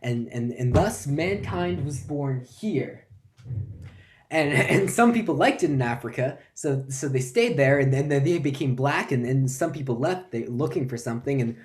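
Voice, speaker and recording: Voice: mid-range voice, lively intonation, moderate pace, darkish tone, natural voice. A performer playing a flustered, forgetful lecturer who stammers and repeats words through a comic stage monologue. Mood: rambling, unsure.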